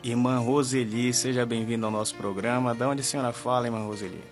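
A man's voice: mid-range voice, steady tone, fast. Brazilian male prayer-show host over music. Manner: courteous, devout. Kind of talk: live religious radio call-in. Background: music bed.

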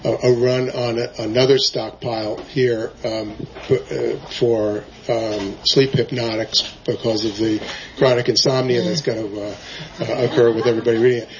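A soft-spoken man in the audience, wry and halting, asking the author a question. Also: mid-range voice, little pitch movement, lo-fi sound, crowd noise.

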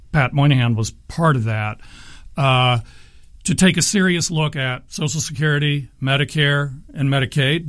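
A man hosting a public radio interview, asking measured, thoughtful questions. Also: medium pitch. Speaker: radio host.

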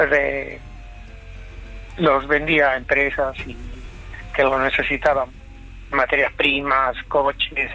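A man from Chile calling in to a late-night radio show, telling a family story in a halting, reflective way. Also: mid-range voice, vocal fry, muffled recording. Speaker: caller.

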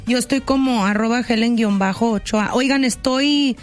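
A woman's voice: a little high, normal speed, faint music behind. A Mexican woman, a singer guesting on a show, bubbly and laughing as she chats. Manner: bubbly, laughing, self-described a bit crazy. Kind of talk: casual chat.

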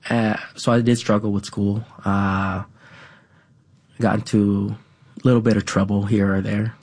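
A man who grew up speaking Vietnamese at home, talking as an interview guest in a halting way, with many fillers and an added "right?". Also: fairly low pitch, flat delivery, darkish tone, husky. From United States. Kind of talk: casual conversational interview.

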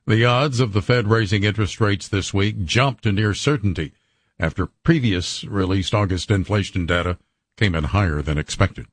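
A man reading a radio news bulletin in a steady, measured way. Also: low-pitched, dry recording. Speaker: radio newsreader.

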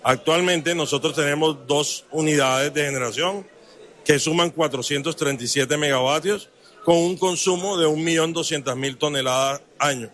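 A man's voice: on the high side, moderate pace, fairly bright tone. A man, a company executive, answering interview questions in a factual way. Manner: factual, businesslike.

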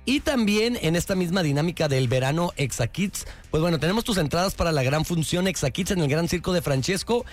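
Playful high-voiced radio host. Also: male voice. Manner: playful, teasing, reads promos with mock-clumsy English. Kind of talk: morning radio promo chat.

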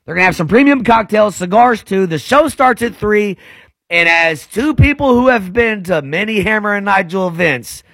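A man's voice: sits high, lively intonation, moderate pace, fairly bright tone, no room sound. A man in his forties co-hosting a casual radio show, joking and plugging events. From United States. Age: 40s. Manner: playful, joking. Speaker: co-host. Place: radio studio.

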